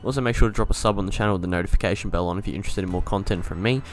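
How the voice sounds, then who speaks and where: A man's voice: sits low, racing. A young man giving casual gameplay commentary as a video creator, laid-back, thinking aloud and swearing now and then. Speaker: gaming YouTuber.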